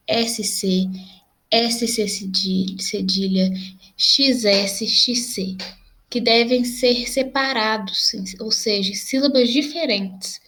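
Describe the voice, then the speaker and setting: Woman, young adult, Brazilian Portuguese accent, slightly high voice, didactic, patient video lesson. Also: a bit bright. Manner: patient and didactic, slowly spelling out examples. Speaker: teacher. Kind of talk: video lesson explaining grammar.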